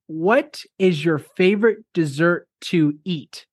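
A man's voice: fairly high pitch, slow, dry recording, clean studio sound. A man hosting a casual interview, upbeat and repeating himself, with some fillers. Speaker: podcast host.

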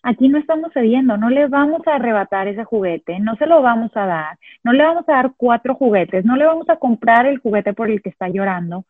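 Woman, calm step-by-step instruction, husky, dry close sound. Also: a little high, a little fast, few pauses, no room sound. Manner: calm step-by-step explaining, models phrases to children. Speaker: parenting educator. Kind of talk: instructional talk on positive discipline. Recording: husky voice over a tinny phone-like line.

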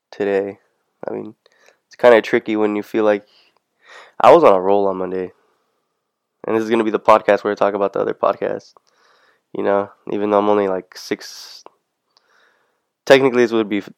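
A man's voice: lowish voice, vocal fry, smooth, no room sound. A man hosting a casual solo podcast, talking in a rambling, hesitant way and often losing his thread. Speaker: podcast host. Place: standing in the middle of his room at home.

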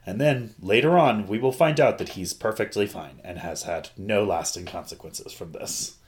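A man's voice: lowish voice, normal speed. A man hosting a podcast in casual, joking chat, rambling off on tangents with the odd swear word. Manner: jokey, rambling, digressive, mildly profane. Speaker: podcast host. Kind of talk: casual chat recapping an anime.

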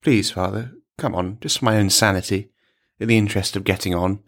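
A man voicing a reluctant male churchgoer in a story, polite, weary and quietly ironic in his stubbornness. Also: lowish voice, fairly even intonation, fairly quick, lightly acted. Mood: pleading, stubborn.

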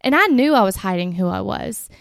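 A woman podcast host speaks in a nasal, slightly stuffed-up voice. Her delivery is informal and conversational at a middle pitch, recorded close and dry with little room sound. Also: lively intonation, a little fast, vocal fry, no echo. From Southern United States. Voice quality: nasal, congested. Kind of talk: casual solo podcast monologue.

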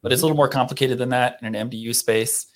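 A man's voice: medium pitch, fairly even intonation, rapid-fire. Friendly male podcast host asking questions. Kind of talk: podcast hosting, interviewing.

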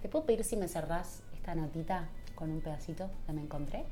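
A woman interviewing a singer, asking friendly questions with soft diminutives. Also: deep voice, fast, soft background music.

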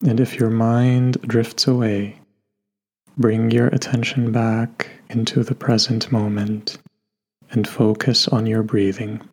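A man leads a guided meditation at a very slow pace, with long pauses between gentle instructions. His voice is soft-edged and husky, with little melodic movement. Faint music plays behind him. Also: mid-range voice, level tone. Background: soft background music.

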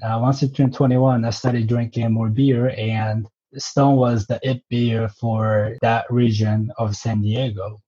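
Husky-voiced man telling his career story. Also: mid-range voice, dull audio. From Japan. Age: 30s. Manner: relaxed, pauses with uh, tempo speeds and slows. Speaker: guest, brewery representative. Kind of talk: casual interview storytelling.

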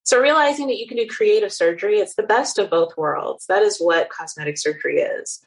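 A woman's voice: medium pitch, a little fast, poor audio. A woman in her thirties from Nigeria and the Netherlands with a general American accent, a surgeon answering interview questions in an earnest, reflective way. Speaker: cosmetic surgeon guest. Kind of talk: interview conversation.

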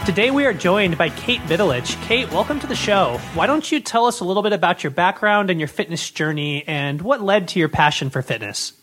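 A man's voice: high-pitched, lively intonation, fairly quick, hardly any pauses, fairly bright tone, soft background music. A man co-hosting a podcast, joking with a sarcastic edge. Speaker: podcast co-host. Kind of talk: podcast chat.

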